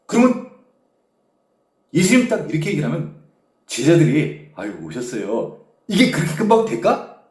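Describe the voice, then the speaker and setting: A male pastor giving an animated sermon, often prompting listeners with short questions. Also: high voice, moderate pace, long pauses. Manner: animated storytelling, constant "eh?" prompts to the audience. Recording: echoey room.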